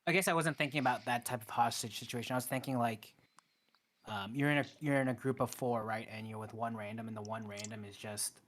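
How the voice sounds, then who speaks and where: A man's voice: mid-range voice, fairly even intonation, quick pace, fairly bright tone, slight background noise. A man co-hosting a casual gaming podcast, thinking aloud and sharing opinions a little hesitantly.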